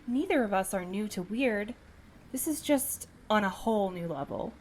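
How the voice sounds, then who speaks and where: A woman's voice: medium pitch, lively intonation, moderate pace, darkish tone, close to an everyday voice. A woman playing a candid, unflappable friend in a naturalistic fiction podcast. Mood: matter-of-fact.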